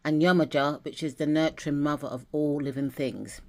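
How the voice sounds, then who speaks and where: Chatty woman with a low voice. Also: fairly even intonation, normal speed, darkish tone. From England. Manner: chatty, rambling with restarts and fillers. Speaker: vlogger. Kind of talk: casual chat, showing dolls and journal.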